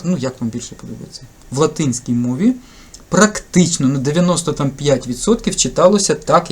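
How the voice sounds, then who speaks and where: A man who tutors English talks through a test task in a casual lesson, in a lively, chatty and jokey way. Ukrainian is his first language. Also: medium pitch, a little hiss or hum. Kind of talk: casual screen-recorded lesson commentary.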